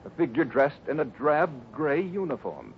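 Man, vintage radio narrator, dramatic scripted delivery, animated pitch, dull noisy audio. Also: normal speed. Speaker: announcer and narrator. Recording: muffled, clearly noisy 1950s radio recording.

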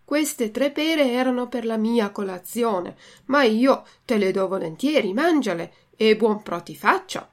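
A woman voicing a calm, kindly old man who patiently lectures a child in a storybook reading. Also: fairly high pitch, a little slow, hardly any pauses. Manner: calm and admonishing.

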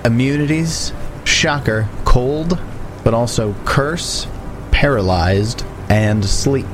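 A man's voice: mid-range voice, slow pace, noisy background. A man running a tabletop game as game master, narrating scenes and explaining rules.

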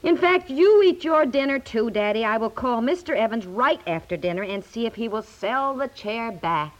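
A woman's voice: on the high side, animated, moderate pace, highs cut off, lightly acted. A woman playing a practical, exasperated housewife and mother in 1950s radio comedy, coaxing and chiding. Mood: placating. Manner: coaxing, chiding, matter-of-fact.

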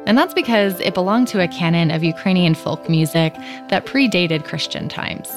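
A woman hosting a podcast, delivering polished, measured scripted narration. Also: on the low side, music in the background. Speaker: podcast host.

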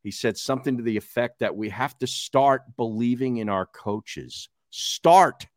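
A man's voice: mid-range voice, measured pace, dry recording. A man in his fifties hosting a sports podcast, wry and joking in casual chat. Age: 50s. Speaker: host.

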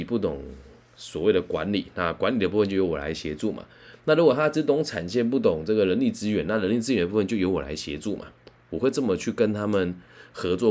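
A man, a career counselor telling a story in an animated, conversational way. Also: lowish voice. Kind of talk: storytelling talk.

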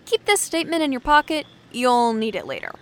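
A woman's voice: high voice, very animated, brisk, a bit bright. A woman playing a sardonic, defiant doctor in an audio drama, talking in a wry, profane, emphatic way. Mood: defiant, insistent.

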